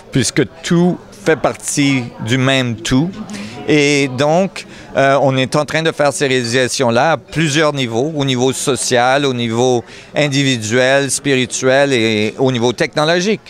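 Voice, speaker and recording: Guy with canadian french accent, medium pitch, earnest interview answers, kinda halting as he explains. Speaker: interview guest.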